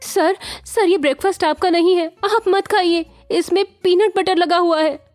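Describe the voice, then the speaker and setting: An urgent young maid whose warnings come out high and fast, as a woman narrator puts her on. Soft music sits far behind her. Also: fairly even intonation, no echo. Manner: hurried, pleading.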